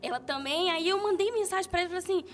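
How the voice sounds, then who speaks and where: A young woman from Minas Gerais with a Mineiro accent, a guest singer telling her story with animated, laughing self-quotes. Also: very high voice, rapid-fire, faint music behind. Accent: Mineiro Brazilian Portuguese. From Minas Gerais, Brazil. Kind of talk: casual interview chat.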